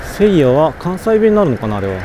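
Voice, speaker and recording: A man talks from a bicycle out on the road, his voice sitting a little high and swinging up and down as he chats. He answers viewer comments in a loose, rambling way. Heavy wind buffets the mic, and passing traffic is heard behind him. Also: sing-song, fast. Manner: chatty, answers viewer comments aloud while riding. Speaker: cycling live streamer. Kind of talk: casual live-stream chat while cycling. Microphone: camera mounted on the bicycle. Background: strong wind noise and passing traffic.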